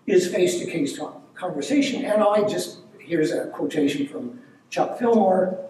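An older man giving an academic lecture, unhurried and thinking aloud with frequent ums. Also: high-pitched, animated, dark tone, distant mic. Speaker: plenary speaker. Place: lecture hall. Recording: very echoey hall, mic heard from afar.

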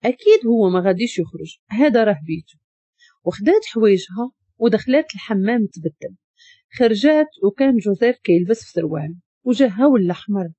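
Lively, husky Moroccan woman storyteller. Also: mid-range voice, fast talker, no echo. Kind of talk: story narration.

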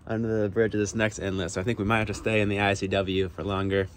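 Low-voiced man vlogging from a sailboat. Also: fast. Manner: relaxed, thinking aloud, drifting between topics. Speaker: sailing vlogger. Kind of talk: casual vlog narration. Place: outdoors on a small sailboat on open water. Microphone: phone camera held at arm's length. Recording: wind and water noise.

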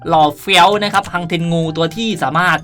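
A young man talks through a casual gaming tutorial in a bright, forward voice. He is playful and animated, ending sentences in a cute, polite way. Music plays behind him. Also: on the high side, quick pace. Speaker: gaming video host. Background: background music.

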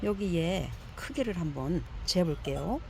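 Woman seller, animated pitch, chatty coaxing showcase tone, casual and repetitive. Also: unhurried, gravelly, slight background noise. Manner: chatty, coaxing, repeats "like this" while measuring pots. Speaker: succulent pot seller.

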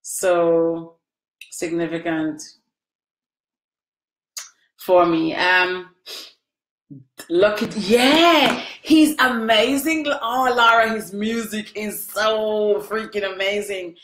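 A middle-aged woman answers viewers by name during a casual webcam livestream from a small, echoey room at home, emotional and sniffly from crying. Her medium-pitched voice is steady and a bit bright, drawing out words and pausing often, with the webcam at close range.

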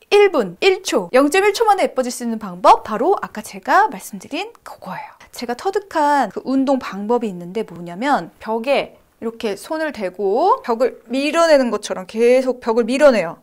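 A young woman hosting a casual beauty and style vlog, giving tips in a lively, demonstrative way that often drops to a whisper. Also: fairly high pitch.

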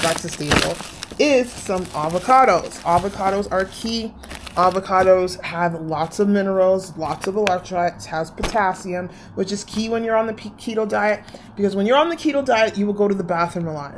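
Filmed handheld at arm's length in a small living room, this grocery haul vlog features a Canadian woman in her thirties who chats casually but emphatically, full of opinions. She has a lowish voice, and background noise is present.

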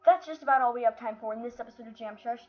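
This gaming channel host is a woman talking very fast in a slightly high voice, chatting casually as she plays. Sickness has worn her voice down and frustration often creeps in. She records on a built-in mic without a headset, so the audio is dull and lo-fi.

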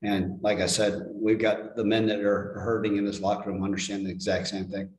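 Brief: middle-aged male coach, low steady voice, flat delivery, roomy press-room sound. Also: a little fast. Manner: plain-spoken, repeats words when restarting. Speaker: head football coach. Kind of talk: post-game press conference.

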